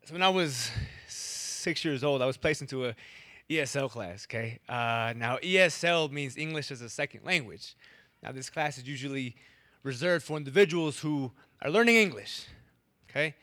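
A man's voice: medium pitch, expressive, moderate pace, bright, forceful tone, no echo. A young man from Wisconsin telling a personal story to an audience, with a stutter that repeats words and cuts off syllables.

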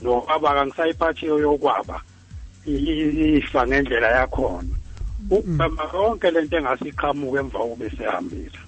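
A man's voice: fairly high pitch, lively intonation, brisk, husky, faint music behind. A man with a Zulu South African accent giving his view as a phone-in caller, on a dull lo-fi line. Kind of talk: opinion-giving on air.

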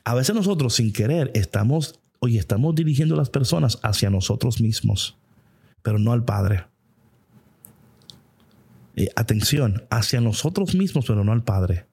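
A man's voice: medium pitch, expressive, normal speed, vocal fry, a little mellow, breathy edge. A man preaching a devotional sermon in a passionate, conversational way, now and then dropping in English phrases.

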